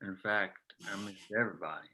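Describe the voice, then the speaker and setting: Man playing a blunt, sharp-voiced union miner. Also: low-pitched, a little fast. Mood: dry reproach. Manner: blunt, clipped lines. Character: forceful, exasperated union-organizing coal miner. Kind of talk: script table read.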